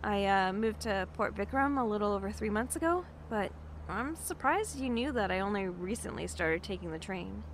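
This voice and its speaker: A woman playing a shy, friendly young bookstore worker in an audio drama, soft-spoken and hesitant. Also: mid-range voice, animated, normal speed, slight background noise, natural voice.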